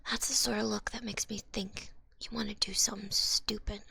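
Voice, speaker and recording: A woman voicing a little old goblin swindler in an ASMR roleplay, with a breathy, gravelly voice and folksy, wheedling patter. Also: medium pitch, flat delivery, fairly quick, sharp tone, heavily acted. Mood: gently threatening. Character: cute little old goblin swindler, smooth-talking, slyly menacing.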